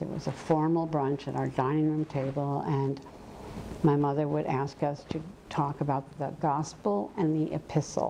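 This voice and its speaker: Slow-ish, flat, monotone speech from a woman with a very deep, low pitch, against noticeable background noise. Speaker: poet. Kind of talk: interview. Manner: halting.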